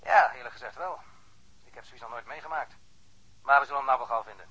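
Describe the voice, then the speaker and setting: A wry, chatty police officer. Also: male voice, medium pitch, fast, bright, forceful tone, slightly rough, lo-fi sound. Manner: wry, talkative. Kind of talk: radio drama acting.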